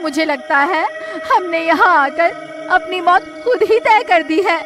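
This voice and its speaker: Whiny scared wife woman voicing, really high voice, cartoon, music in back. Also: unhurried. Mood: fearful. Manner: complaining, pleading. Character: fretful complaining village wife Rekha.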